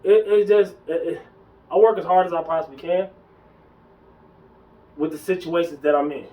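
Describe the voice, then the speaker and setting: A man's voice: a little high, fairly even intonation, moderate pace, far from the mic, dull audio. A man in his early forties delivering an emphatic, slangy rant to camera about gym culture and lifting, repeating himself for emphasis. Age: 40s. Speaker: fitness vlogger. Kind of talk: casual ranting monologue.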